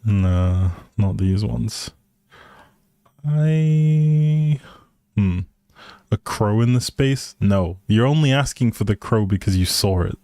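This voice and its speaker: With a mid-range, dark-toned voice, a man live streams a life simulation game and chats loosely with viewers, thinking aloud in a friendly ramble. The recording is dry and clean, like a studio.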